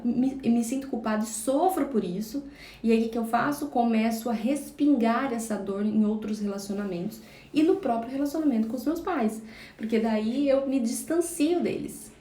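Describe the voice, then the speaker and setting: A woman's voice: a little high, mellow, echoey room. A woman parenting educator giving a live book-study talk, explaining patiently and often checking in with her listeners.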